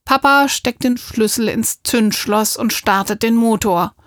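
A woman reading a children's audiobook as scripted narration, measured and clear, on a close microphone. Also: a little high, dry recording. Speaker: audiobook reader.

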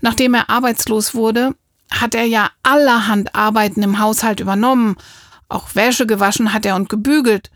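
A woman reading a children's audiobook as scripted narration, measured and clear, on a close microphone. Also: fairly high pitch, steady tone, dry recording. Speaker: audiobook reader.

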